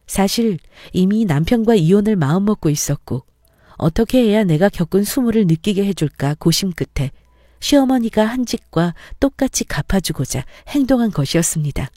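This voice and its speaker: A woman's voice: mid-range voice, expressive, moderate pace, dark tone, dry recording, studio quality. A woman narrating a first-person family story in a confiding, wry way and acting out her own lines with feeling.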